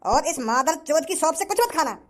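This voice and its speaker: A man playing a swaggering rich young guy, very high voice, scolding and boastful. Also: lively intonation, brisk. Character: brash rich young male show-off.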